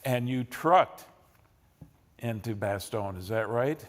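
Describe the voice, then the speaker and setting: Casting: American man as event interviewer, semi-formal guest introductions, medium pitch, long hall reverb. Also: lively intonation, takes it slowly. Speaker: interview host.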